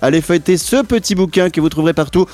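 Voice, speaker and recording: A man's voice: high-pitched, fast, darkish tone. A man hosting a radio show, presenting a guest in loose, jokey patter at a studio mic. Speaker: radio host. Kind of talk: casual radio chat. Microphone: studio microphone.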